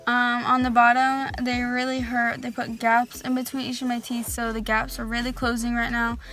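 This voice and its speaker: Young woman vlogger lisping with braces, high-pitched. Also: level tone, normal speed, fairly bright tone, soft background music. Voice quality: slight lisp from freshly tightened braces. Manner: talking carefully around sore braces, slightly impeded speech. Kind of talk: casual vlog chat.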